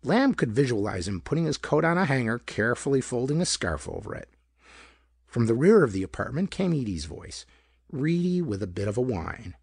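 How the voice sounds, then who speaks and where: A male narrator reads hardboiled pulp detective fiction. His voice is husky and moves widely in pitch, recorded very dry and close. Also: very animated, a little fast, a little mellow, dry recording. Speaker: audiobook narrator.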